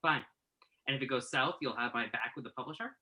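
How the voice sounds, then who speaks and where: A man's voice: medium pitch, fast talker, pushed and bright. A man playing an exasperated, principled young journalist in a staged play reading, protesting with wry sarcasm in natural dialogue. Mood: reluctant.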